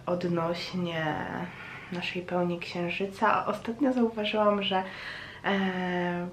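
Slow, hesitant woman in an echoey room. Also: lowish voice, steady tone. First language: Polish. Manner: hesitant, pausing, reflective. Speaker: vlogger. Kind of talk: casual chatty personal vlog monologue. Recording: roomy echo, faint background noise.

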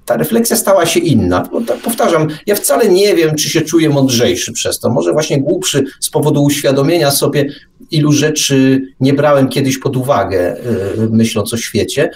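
A man's voice: mid-range voice, lively intonation, normal speed, darkish tone, distant mic, a little hiss or hum. A man hosting a live radio talk, musing discursively, repeating and rephrasing himself and posing rhetorical questions. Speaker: radio show host. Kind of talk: casual live talk, reflective monologue.

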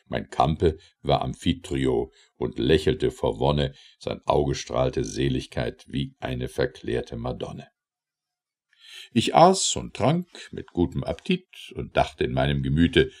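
A man reads poetry aloud as an audiobook narrator. His voice is very low and gravelly, and his theatrical delivery swings widely up and down. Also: darkish tone. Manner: theatrical, declamatory. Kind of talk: expressive verse recitation.

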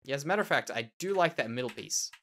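A man's voice: medium pitch, animated, very fast, sharp tone, slight background noise. An Australian man with a nasal, slightly tender voice, musing and repeating words as he comments on his own Minecraft building. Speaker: Minecraft let's play host. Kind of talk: casual gameplay commentary.

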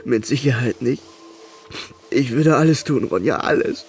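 Man acting haunted former soldier, audio drama, middle-pitched voice, halting confiding delivery, short clipped phrases. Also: slight background noise, natural voice. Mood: tender, confiding. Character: troubled ex-legionnaire confiding in his girlfriend. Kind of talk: naturalistic German radio play acting.

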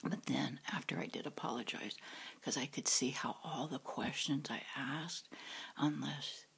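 A middle-aged woman telling a rambling story in a soft whisper while she eats between sentences. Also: extremely low pitch, a little slow, vocal fry, husky. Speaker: vlogger.

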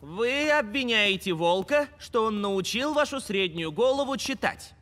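A man's voice: high voice, expressive, unhurried, fairly bright tone. A man voicing an earnest, anxious schoolboy in a cartoon, with a hesitant manner. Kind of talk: animated cartoon acting.

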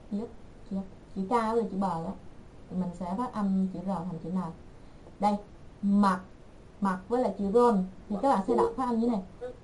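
A woman teaching an online language class, repeating words slowly and patiently for her learners. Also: mid-range voice, warm tone, a little hiss or hum, rough recording.

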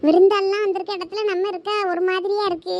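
A cheeky, talkative young college girl, acted by a woman in a village comedy skit. Her voice sits very high and she keeps up a teasing, chatty manner. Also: little pitch movement, quick pace, darkish tone, no echo, dull audio. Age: young adult. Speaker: comic skit actor.

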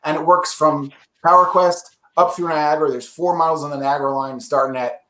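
A man's voice: fairly high pitch, steady tone, brisk, bright, forceful tone, roomy sound. A man representing an audio brand, casually explaining products in an enthusiastic, salesy way.

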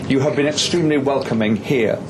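A man who is a member of parliament giving a formal speech at a reception, measured and often pausing on "uh". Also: mid-range voice, background noise. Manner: measured, with frequent "uh" pauses.

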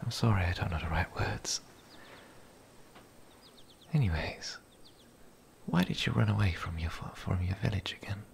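A man playing a lonely, gentle, shy young werewolf in a whispered ASMR roleplay, speaking breathily, softly and haltingly. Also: slight background noise. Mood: sympathetic, tender. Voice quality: breathy whisper, low and creaky. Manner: hesitant, halting, soft-spoken.

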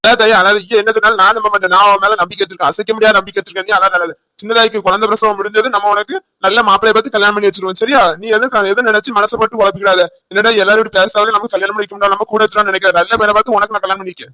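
A man voicing an old village grandfather with a Tirunelveli Tamil accent, gently advising in a cartoon. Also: high-pitched, little pitch movement, very fast, few pauses, dry recording, rough recording. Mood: gentle advising.

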